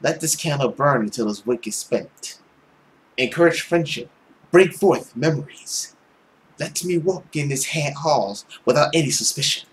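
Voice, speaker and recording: A man's voice: mid-range voice, a bit bright, slight background noise, close to an everyday voice, low-quality recording. Anxious young avenging woman, read by a man.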